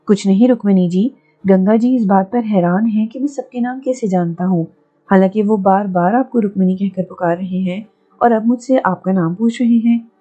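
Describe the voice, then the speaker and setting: A woman playing a gentle young doctor. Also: mid-range voice, normal speed, dull audio, close to an everyday voice. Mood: coaxing. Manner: gently coaxing.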